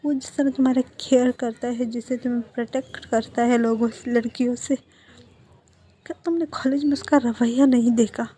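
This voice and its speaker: A woman's voice: a little high, steady tone, normal speed, mellow, natural voice. A woman voicing a hot-tempered young man who scolds and defends his best friend in a read-aloud story. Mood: angry. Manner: scolding, heated.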